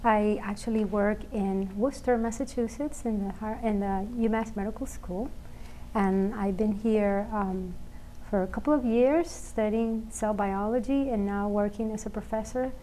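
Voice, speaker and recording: A woman from Venezuela speaking as a biology professor on a panel, measured and matter-of-fact. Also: mid-range voice, dark tone, slight background noise, poor audio. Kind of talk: panel discussion.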